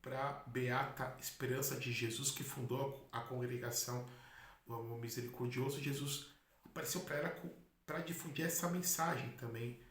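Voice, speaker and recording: Catholic priest preaching in an echoey room. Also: male voice, medium pitch, fairly even intonation, moderate pace, fairly bright tone. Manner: chatty storytelling with asides. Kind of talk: sermon. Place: in Spain. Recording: echoey room with faint noise.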